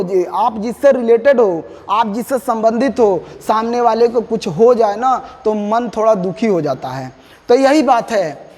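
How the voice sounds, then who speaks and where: High-voiced man teaching, echoey room. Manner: lively, dramatic, talks straight to students. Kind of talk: lesson explaining an English poem in Hindi.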